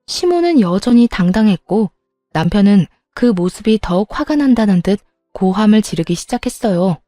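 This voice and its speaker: A woman narrating a first-person family story in a confiding, even manner. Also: medium pitch, normal speed, dry recording, studio quality, soft background music.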